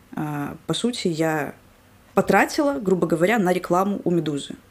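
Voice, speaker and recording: A woman talks at a moderate pace with lively intonation. Her pitch sits fairly low. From Rostov-on-Don, southern Russia. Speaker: ceramic artist. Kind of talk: casual chat. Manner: reserved, not very talkative.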